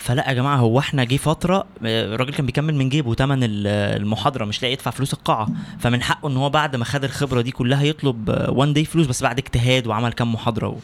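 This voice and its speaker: Very fast and with hardly any pauses, a man talks at a medium pitch with fairly even intonation. Noticeable background noise runs under his voice. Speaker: podcast host and corporate trainer. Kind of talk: casual interview chat.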